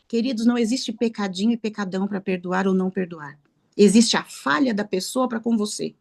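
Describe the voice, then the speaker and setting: A woman's voice: mid-range voice, brisk, gravelly, darkish tone. A woman from Brazil preaching a sermon, emphatic and teaching through rhetorical questions and acted-out quotes. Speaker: preacher and counselor.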